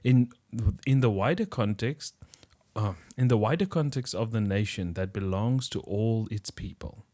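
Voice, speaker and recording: A man's voice: lowish voice, normal speed, warm tone. Easygoing South African man podcaster. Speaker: podcast co-host. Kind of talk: casual chat.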